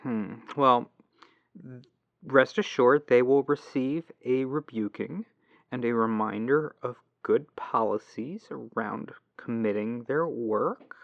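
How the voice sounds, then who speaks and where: A man acting as a polite, patient tech support agent in a soft-spoken ASMR roleplay, musing aloud over a lo-fi telephone line. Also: medium pitch, gravelly, dry recording. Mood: mildly exasperated. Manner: unhurried, pausing, courteous, musing aloud. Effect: lo-fi telephone filter.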